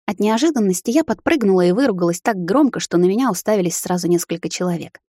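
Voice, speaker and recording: Brisk woman reading a fantasy novel. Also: medium pitch, dry recording, clean studio sound. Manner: brisk, expressive storytelling. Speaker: audiobook narrator. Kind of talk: first-person fantasy novel narration.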